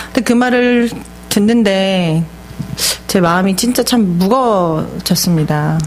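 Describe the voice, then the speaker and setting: A woman's very slow speech with long, frequent pauses and ordinary pitch variation, over light background noise. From South Korea. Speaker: lay youth minister giving testimony sermon. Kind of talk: sermon with consecutive interpretation. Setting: church. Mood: earnest, emotional. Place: church.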